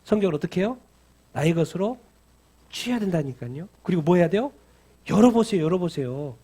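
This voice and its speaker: A man's voice: high voice, expressive, fast, warm tone, slightly rough. A male pastor preaching a sermon, asking the congregation questions and answering them himself, repeating phrases for emphasis.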